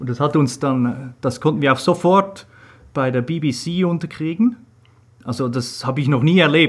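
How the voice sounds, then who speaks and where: A man with a normal speaking voice, ordinary pitch variation and a moderate pace. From Switzerland. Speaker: documentary filmmaker. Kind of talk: interview.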